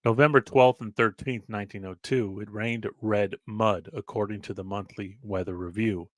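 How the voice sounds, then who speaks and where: A man with a fairly deep voice narrates archival writing in a dramatic read-aloud style. He moves deliberately from phrase to phrase, pausing for emphasis and now and then tripping on a word. The sound is dry, with little room around the voice. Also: steady tone, no room sound. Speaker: narrator reading an old newspaper article aloud.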